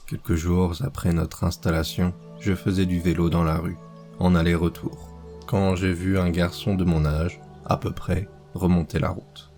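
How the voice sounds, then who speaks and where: A man reading a horror story aloud as scripted narration, slow and measured. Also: low-pitched, level tone, darkish tone, soft background music.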